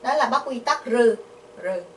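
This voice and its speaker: A woman's voice: on the high side, lively intonation. Vietnamese woman teaching Korean grammar. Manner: patient, asks the class questions, repeats syllables slowly. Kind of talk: explaining grammar. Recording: echoey, from a distance, faint noise.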